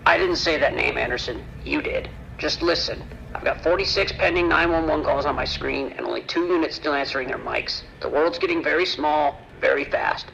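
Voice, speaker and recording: A man playing a tense, grim deputy in a horror radio play. His voice is fairly high and heavily creaky, terse and guarded over a muffled police radio. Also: fairly quick, fairly bright tone, slight background noise. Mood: grim, confiding. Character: weary, tense, guarded male county sheriff's deputy dispatcher. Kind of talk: horror audio drama radio acting.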